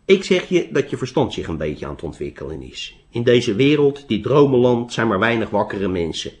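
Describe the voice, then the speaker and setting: A man voicing a gruff, blunt old hermit with a white beard who teases with sharp questions. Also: mid-range voice, big pitch swings, moderate pace, close to an everyday voice.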